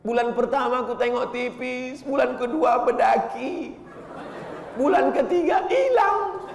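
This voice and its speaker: A man voicing a middle-aged mother who weeps over her son and wails in a high, shrill voice, in an echoey hall. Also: a little slow, a faint crowd. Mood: wailing. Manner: wailing, high-pitched and shrill. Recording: echoey hall, faint noise.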